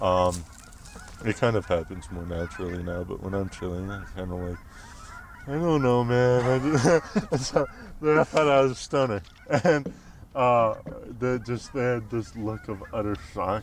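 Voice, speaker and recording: With lively intonation and a moderate pace, a man talks while noticeable background noise runs underneath. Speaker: podcast guest. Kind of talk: casual chat.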